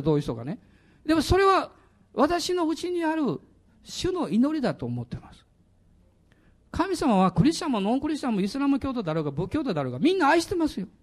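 A middle-aged man, a pastor, preaching a sermon in an animated way, with laughing asides to the congregation. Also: very high voice.

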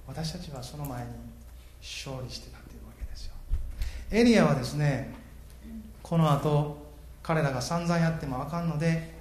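Animated pastor in an echoey church. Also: male voice, fairly high pitch, a little hiss or hum. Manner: animated, joking with the congregation. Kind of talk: sermon.

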